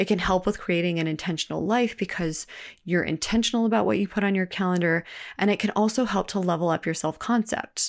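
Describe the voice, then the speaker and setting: This woman speaks at a very fast pace with medium pitch and ordinary pitch variation. Her loudness stays very even, and the recording is very clean with a silent background. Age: 40s. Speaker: podcast host and career coach for assistants. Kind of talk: solo podcast monologue. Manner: casual and conversational.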